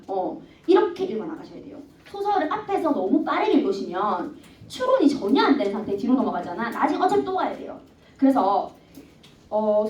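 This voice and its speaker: A Gyeongsang-accented woman teaches a literature class with a bright, high voice that swings up and down. She keeps tossing questions at her students. The sound is dull and echoey, picked up from across the classroom. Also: recorded from a distance, a little hiss or hum. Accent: Gyeongsang dialect. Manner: lively, asks students questions constantly. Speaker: Korean language teacher. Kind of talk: classroom lecture.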